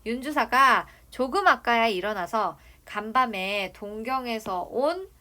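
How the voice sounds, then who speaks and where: A woman's voice: on the high side, expressive, unhurried, pushed and bright. A woman teaching a literature lesson, explaining a novel and asking rhetorical questions. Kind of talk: classroom lecture on a novel.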